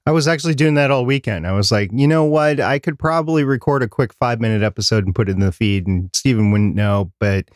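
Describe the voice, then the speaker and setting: A man's voice: fairly low pitch, a little mellow, no echo, clean studio sound. A middle-aged man co-hosting a podcast about podcasting, chatting casually and rambling with frequent restarts. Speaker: podcast co-host.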